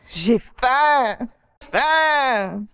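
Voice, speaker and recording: Woman playing a hungry male rabbit, grumbling, high and swooping, dry close sound, children's TV story. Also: expressive, drawn-out words, fairly bright tone, clean tone, no room sound, full character voice.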